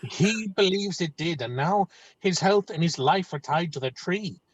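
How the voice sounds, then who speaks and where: Guy reading a patient village lad explaining stuff, higher voice, dull online call audio. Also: animated, a little slow. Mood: apologetic, earnest. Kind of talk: virtual table read of a screenplay. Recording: muffled lo-fi video call audio.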